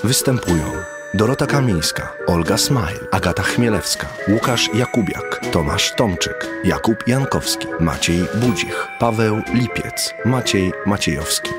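Deep voiced guy reading the credits, formal, music over it. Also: expressive, a little slow. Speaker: announcer. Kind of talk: credits announcement.

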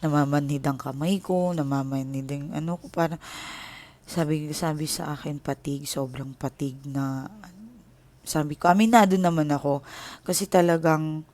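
A woman with a low voice talks straight to her viewers as their host. She tells a personal story in a casual, emotional way, dropping to a hush and then rising again with feeling. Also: normal speed. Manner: emotional, swinging between hushed and animated; addresses viewers fondly as loved ones. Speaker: tarot channel host.

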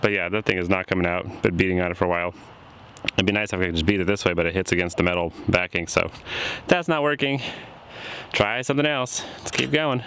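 Outdoor noise runs behind this casual how-to narration, in which a thirtysomething shop mechanic host works on a repair in a junkyard. Easygoing, he thinks aloud as he goes, speaking quickly in a low, slightly bright voice.

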